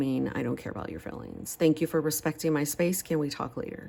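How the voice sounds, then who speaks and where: A woman talks at a fairly quick pace with a very deep, low pitch. Her voice has vocal fry. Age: 40s. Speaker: vlogger, homeschooling parent. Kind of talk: casual vlog monologue, partly reading notes. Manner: hesitant, many fillers.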